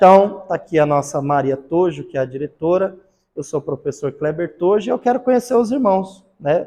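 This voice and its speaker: This man has a high pitch and a dark, mellow tone. He talks at a moderate pace with lively intonation. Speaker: theology professor and pastor. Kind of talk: lecture. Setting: classroom.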